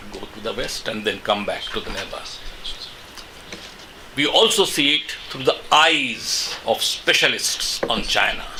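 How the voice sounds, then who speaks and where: Amid audible room echo and noticeable background noise, a man with a Bengali accent speaks at a fairly slow pace with big swings in loudness. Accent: Bengali Indian English. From India, Bengal. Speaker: scholar giving a public lecture. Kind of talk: lecture.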